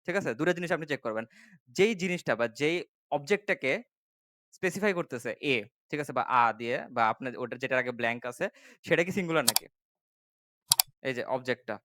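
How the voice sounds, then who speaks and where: Male tutor, smooth slightly high voice, dry close mic. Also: a bit bright, no echo. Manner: explains step by step, often asking "ঠিক আছে?" to check understanding. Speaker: English tutor. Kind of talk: classroom-style grammar lesson.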